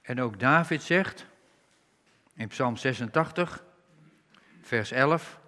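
A man preaching a sermon, reading scripture slowly and with emphasis and rising on key words. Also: mid-range voice, bright, forceful tone. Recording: reverberant hall.

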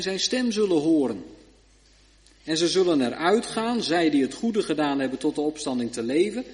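A man giving a Bible study sermon, reading scripture aloud slowly and checking in with short tag questions. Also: sits high, darkish tone. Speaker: preacher. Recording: long reverb of a hall.

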